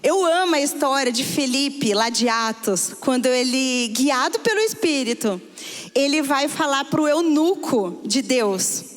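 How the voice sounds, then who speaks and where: With a Brazilian Portuguese accent, a high-pitched woman preaches a sermon at a measured pace, telling a story and swinging between hushed and excited tones. The church hall adds reverb.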